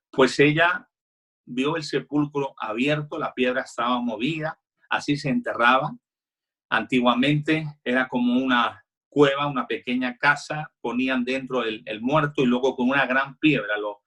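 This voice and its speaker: Husky-voiced male pastor preaching. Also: mid-range voice, fairly bright tone. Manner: earnest preaching, retelling Bible scenes with quoted dialogue. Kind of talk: sermon.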